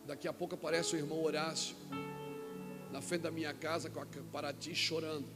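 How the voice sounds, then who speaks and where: A Brazilian man preaching a sermon as a pastor, telling a personal story with quoted dialogue and rising to shouts at the peaks. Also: on the high side, flat delivery, fairly quick, over music. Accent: Brazilian Portuguese. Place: church event hall.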